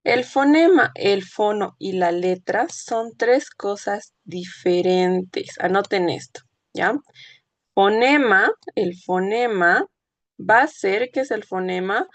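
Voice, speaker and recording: Woman teacher, patient explainer, slow measured delivery, dry close sound. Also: mid-range voice, no echo. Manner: patient, explanatory, checks understanding often. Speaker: language teacher. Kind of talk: classroom lecture.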